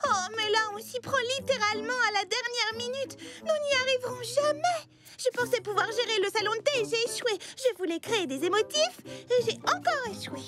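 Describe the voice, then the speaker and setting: Very high-pitched, dramatic cartoon girl. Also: lively intonation, brisk, loud music behind the voice. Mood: despairing. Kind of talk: animated dubbing.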